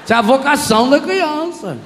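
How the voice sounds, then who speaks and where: A Brazilian man with a Brazilian Portuguese accent, preaching a lively, humorous sermon as a priest and acting out voices, in a reverberant church hall. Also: very high voice, a little fast, slight background noise.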